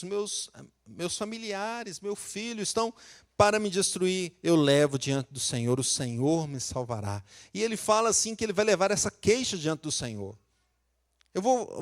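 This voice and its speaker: A Brazilian man from Minas Gerais preaching a sermon as pastor, talking conversationally, asking the congregation questions and acting out quotes. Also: high-pitched. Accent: Brazilian Portuguese, Minas Gerais.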